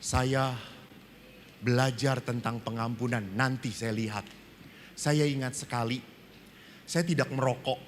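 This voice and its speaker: A man's voice: mid-range voice, measured pace, pauses often, a little hiss or hum. A man with an Indonesian accent, a Catholic priest giving a humorous sermon and acting out little dialogues. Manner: animated storytelling, acts out dialogue. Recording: reverberant hall, faint ambience.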